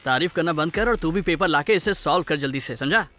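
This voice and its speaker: A man's voice: fairly high pitch, animated, fairly quick, fairly bright tone, no echo, faint music behind. An actor playing an intense, bossy young man caught up in solving a puzzle. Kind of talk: film dialogue.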